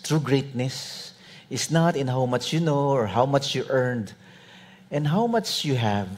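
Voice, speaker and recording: A male pastor preaching a sermon with humorous storytelling, often dropping to soft asides. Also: mid-range voice, slight background noise.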